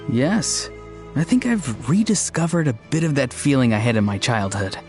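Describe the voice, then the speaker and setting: An actor playing an earnest, easygoing young tribal hunter in a video game, speaking sincerely and matter-of-factly. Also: male voice, mid-range voice, sing-song, normal speed, darkish tone, faint music behind, close to an everyday voice. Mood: sincere, content. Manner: matter-of-fact, sincere, literal.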